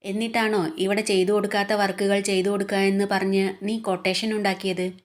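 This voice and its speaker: A woman's voice: mid-range voice, flat delivery, a little fast, natural voice. A woman storyteller voicing a furious, domineering male company boss who scolds harshly. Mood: angry.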